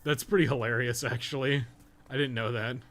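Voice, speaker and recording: A man's voice: mid-range voice, steady tone, a little fast, a bit bright, slight background noise. A man giving casual live gameplay commentary, rambling and thinking aloud with casual swearing. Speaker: game streamer and podcast co-host.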